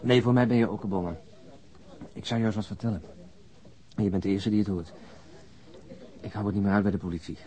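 Actor as a low-voiced, jovial, world-weary policeman. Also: fairly even intonation, fast, long pauses, mellow, close to an everyday voice, poor audio. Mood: confiding. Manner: blunt, mild swearing, chatty and teasing. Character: overweight, jovial, world-weary policeman who loves his food. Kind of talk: naturalistic Dutch radio drama acting.

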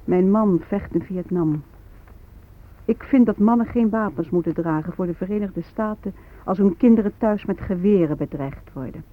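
A woman's voice: mid-range voice, normal speed, phone-quality sound, natural voice. An actress playing an aggrieved Native American activist mother giving earnest, bitter testimony in a radio drama. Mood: grave, bitter.

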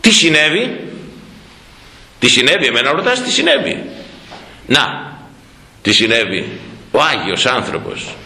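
Priest guy preaching, pitch jumps all over, keeps asking questions and repeating himself. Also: pauses often, roomy sound, rough recording. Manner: animated storytelling, rhetorical questions, repeats words. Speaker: priest, former head of a parish church. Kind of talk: sermon.

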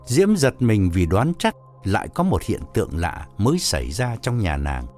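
A male storyteller reads a novel aloud, his voice of middle pitch rising and falling with a lively, animated swing. Faint music runs quietly beneath the narration. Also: normal speed. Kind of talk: audiobook narration.

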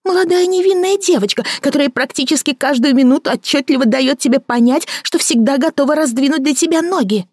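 A bitter, jealous woman hurls scornful accusations in a shrill, overwrought voice, as a female reader puts her on. The sound is dry and close, with nothing behind it. It is an audiobook character voice. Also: a little fast, hardly any pauses, no room sound, close to an everyday voice. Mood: accusing, scornful.

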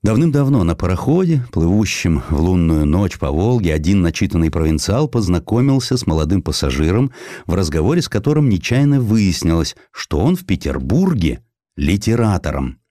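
A man narrating a literary historical essay as an audiobook, with expressive, dramatic and measured phrasing. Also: sits low, dry recording, studio quality.

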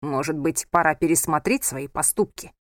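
A woman's voice: fairly low pitch, moderate pace, no echo, clean studio sound, close to an everyday voice. Woman voicing a stern, scolding young husband. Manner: harsh, scolding, hard-edged. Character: stern angry young husband, controlling and forceful.

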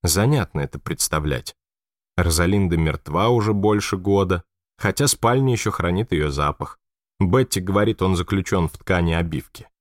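A man with a very deep, low voice reads a novel aloud in a calm and even manner. The recording is close and dry, with no room echo. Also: moderate pace. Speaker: narrator. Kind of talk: audiobook narration.

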